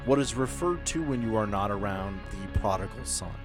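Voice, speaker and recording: Guy running a tabletop game, lowish voice, takes his time describing scenes, bit of music behind him. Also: animated, moderate pace. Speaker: game master and host of an actual-play podcast. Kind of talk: improvised narration of a tabletop role-playing game. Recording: background music under the voice.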